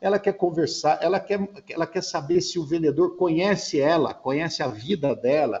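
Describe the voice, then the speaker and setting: A man talks at a moderate pace. His pitch is high. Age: 60s. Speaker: TV show host. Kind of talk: interview.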